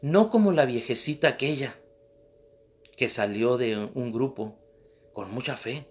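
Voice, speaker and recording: A man's voice: mid-range voice, measured pace, a little mellow. A man teaching a Bible class as a Catholic preacher, emphatic and repeating phrases for stress.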